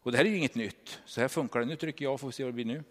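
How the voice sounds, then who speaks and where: A man in his fifties, a pastor of over thirty years, preaching a lively sermon and retelling stories with frequent rhetorical tag questions. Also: mid-range voice. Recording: long hall reverb.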